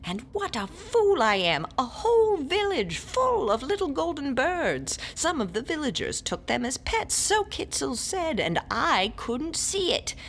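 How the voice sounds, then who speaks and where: A woman's voice: high voice, sing-song, unhurried, hardly any pauses, fairly bright tone, a little hiss or hum, full character voice. A woman playing a shrewd, scholarly older classicist who tells tales and scolds her companions in a theatrical manner. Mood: puzzling. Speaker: narrator and lead character. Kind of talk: audio drama acting.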